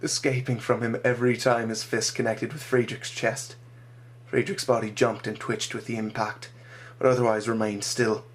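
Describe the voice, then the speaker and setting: A man reading his own dramatic short story aloud, measured and slowing for grim moments. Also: medium pitch, flat delivery.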